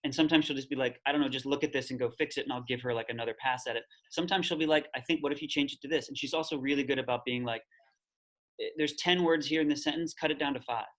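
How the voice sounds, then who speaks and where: A man's voice: mid-range voice, fairly bright tone, poor audio. A man who is a playwright, chatting casually on a video call and poking fun at himself. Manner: rapid, self-deprecating, quotes himself. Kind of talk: casual interview chat.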